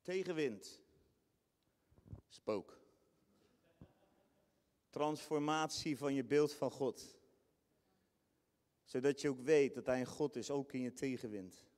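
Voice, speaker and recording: A man preaching a lively sermon, acting out scenes with sudden high shrieks and bursts of laughter. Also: slow pace, long pauses. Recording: long hall reverb in a church.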